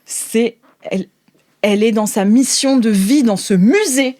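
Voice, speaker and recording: A woman's voice: a little high, a little slow, mellow. A woman acting as game master, narrating an improvised tabletop game in an informal, theatrical way.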